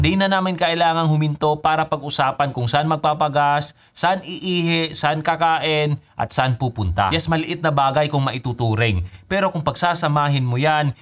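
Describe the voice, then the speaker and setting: A man with a Filipino accent giving a scripted motorcycle gear review as a vlogger, mixing in English phrases. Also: a little high. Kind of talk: scripted review narration with Taglish code-switching.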